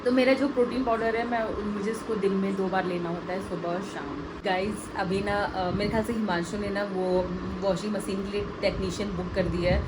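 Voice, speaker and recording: A woman's voice: mid-range voice, fairly even intonation, normal speed, few pauses. Chatty woman vlogging over household noise. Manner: chatty, laughs often, talks straight to viewers. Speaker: family vlogger. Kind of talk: casual vlog narration. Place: home kitchen and house. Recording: noisy home phone recording.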